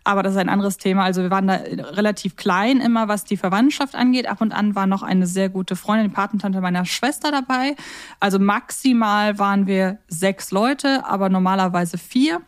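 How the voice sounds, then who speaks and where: A woman's voice: mid-range voice, fairly quick. A woman from Germany chatting informally as a podcast co-host, telling stories in a conversational way. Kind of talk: casual conversational podcast chat.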